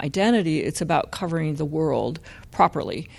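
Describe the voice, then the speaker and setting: Very deep, low pitch from a woman, fairly even in intonation and moderate in pace. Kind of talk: public conversation with audience. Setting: stage with audience.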